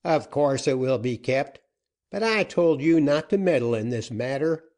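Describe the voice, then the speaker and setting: A man voicing a commanding outlaw captain in a storybook reading, loud and forceful. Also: mid-range voice, lively intonation, moderate pace, voice pushed up, natural voice.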